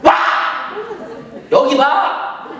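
A man preaching at a revival meeting as pastor, acting out conversations and breaking into shouts. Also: very high-pitched, very slow. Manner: animated, shouts and acts out dialogue. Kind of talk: revival sermon. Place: large church revival meeting. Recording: echoey hall, mic from far off.

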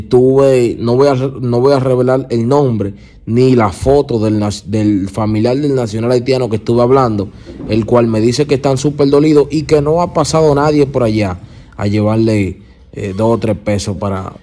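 A Dominican man presents urban music gossip for his online channel. His voice is mid-range and relaxed, with a dark, mellow tone. He talks in loose street slang, often halting and repeating words as he goes. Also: medium pitch. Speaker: YouTube channel host. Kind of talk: casual urban music gossip news commentary.

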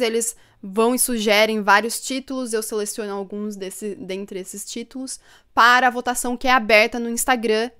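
Young woman, chatty live-stream host; smooth, clear voice at mid pitch. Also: pushed and bright. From São Paulo state, Brazil. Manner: chatty and upbeat, laughs often, reads viewer comments aloud. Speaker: book channel host. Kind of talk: live stream chat with viewers. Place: home room with bookshelves, indoors. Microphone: desk microphone in front.

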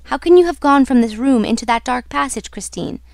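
A woman's voice: sits high, animated, brisk, gravelly, no room sound, studio quality. A woman voicing an ardent, jealous young man in a storybook, speaking in an urgent, challenging, dramatic way. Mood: questioning. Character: ardent, jealous young male suitor, impatient and protective.

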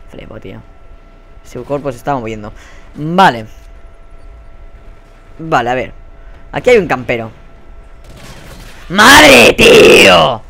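A man's voice: medium pitch, fairly bright tone. A young man with a Spanish accent from Spain, giving live gameplay commentary with constant swearing and frustrated outbursts. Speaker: gaming YouTuber.

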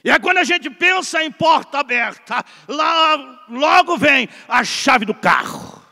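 A man in his sixties with a Brazilian Portuguese accent, preaching a Pentecostal sermon from a church pulpit, building to shouts and then dropping low. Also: gravelly. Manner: preaching with swelling shouts and quiet drops. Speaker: pastor. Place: large church sanctuary at a pulpit. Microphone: pulpit microphone. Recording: long reverb of a large church.

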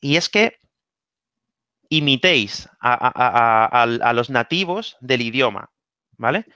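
A man with a Spanish accent from Spain, giving language-learning tips in a casual online interview, lively and repeating himself for emphasis with frequent "¿vale?". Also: medium pitch, takes it slowly, smooth, no room sound.

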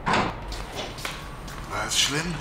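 An actor playing a hesitant, devoted gang member in an audio drama. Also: male voice, very slow. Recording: echoey with noisy ambience.

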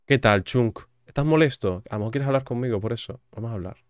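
A man's voice: medium pitch, fast, no echo, clean studio sound. A man with a Spain Spanish accent giving chatty, joking commentary while playing a video game and reading its text aloud. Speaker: gaming YouTuber. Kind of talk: gaming commentary.

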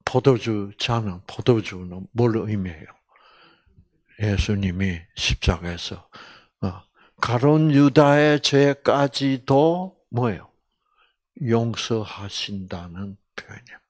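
A man lecturing slowly and deliberately, a doctor giving a faith-based health talk. He keeps firing questions at his audience and acts out quoted lines, sliding from loud bursts down to hushed whispers. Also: mid-range voice. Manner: quizzes the audience with constant questions; acts out quoted speech and drops to whispers for effect.

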